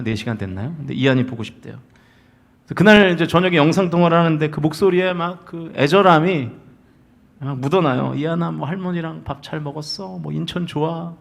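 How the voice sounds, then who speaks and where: A senior pastor in his forties preaches a Sunday sermon in a church sanctuary, his voice on the high side. He swings between loud, emphatic calls and soft storytelling.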